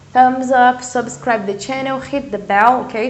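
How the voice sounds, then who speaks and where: Here a woman speaks with a Brazilian accent at a high pitch and a moderate pace. Her pitch varies in an ordinary way, and room echo is audible. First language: Portuguese. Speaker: tarot reader. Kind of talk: tarot reading to camera. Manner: halting, with fillers.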